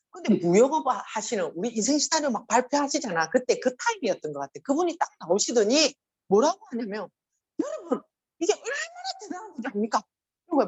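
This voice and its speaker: A middle-aged woman with a Gyeongsang accent gives a motivational seminar talk, animated and acting out quoted voices. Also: on the high side. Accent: Gyeongsang Korean. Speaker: motivational speaker.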